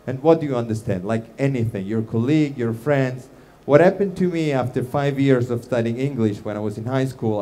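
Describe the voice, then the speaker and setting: Italian guy rambling through a startup talk, mellow tone, lots of "like" and "you know". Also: mid-range voice. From Italy. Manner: chatty, self-deprecating, many fillers and restarts. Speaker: startup founder giving a talk. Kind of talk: casual conference talk.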